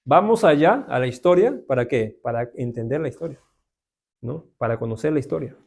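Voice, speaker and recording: Gravelly Peruvian man teaching Bible. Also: medium pitch, lively intonation, brisk, a little mellow. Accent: Peruvian Spanish. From Peru. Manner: conversational, many filler questions, asks the class. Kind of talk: informal Bible class.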